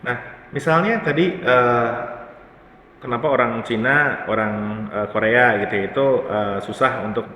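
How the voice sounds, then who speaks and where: A man who is a company CEO, explaining his ideas as an interview guest in a relaxed, unhurried way. He often pauses and reaches for his words. He is recorded from a distance in a reverberant hall, with faint ambient noise behind him. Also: mid-range voice. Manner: thoughtful, many pauses and fillers. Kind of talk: explanatory casual chat.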